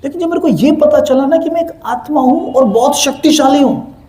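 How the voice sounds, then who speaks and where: A young man giving a lively spiritual talk to a live audience, asking them to answer aloud. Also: very high-pitched, fairly quick. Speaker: spiritual speaker.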